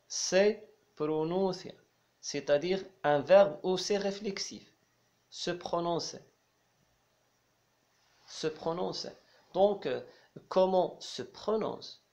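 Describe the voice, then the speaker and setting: A man teaching a language lesson, explaining slowly and repeating each phrase with some hesitation. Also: sits high, darkish tone. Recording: dull lo-fi sound.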